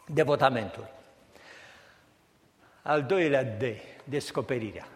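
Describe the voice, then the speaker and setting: A man preaching a sermon, building emphatic repeated phrases and raising his voice at the peaks. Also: medium pitch. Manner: emphatic preaching that rises to raised repetitions. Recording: long hall reverb.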